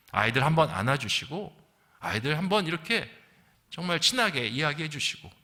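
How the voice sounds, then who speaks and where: Here the same kind of speaker, a middle-aged Gyeongsang pastor, preaches with a slightly high, sharp-toned voice. His sermon unfolds like a story, full of rhetorical questions, anecdotes, and quotes he performs. A big, echoing church hall gives the audio a long reverb.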